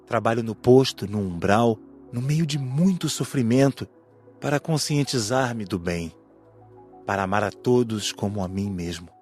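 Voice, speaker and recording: A man playing a repentant male spirit in an audiobook, speaking husky, earnest and sober about his past. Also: on the low side, unhurried, darkish tone, faint music behind, natural voice. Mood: earnest, hopeful. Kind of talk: dramatized audiobook character reading.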